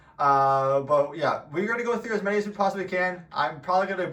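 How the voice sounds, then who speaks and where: Audible room echo surrounds a man who speaks at a fairly quick pace with ordinary pitch variation. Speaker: gaming YouTuber. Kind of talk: gameplay commentary. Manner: halting, stuttering; casual, filler-heavy.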